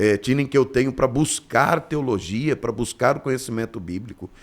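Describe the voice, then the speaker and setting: At a moderate pace, a man talks in a plain, everyday voice with ordinary pitch variation, on a very clean recording with a silent background. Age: under 60. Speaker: pastor and co-host. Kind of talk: religious talk show. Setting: studio, live radio broadcast.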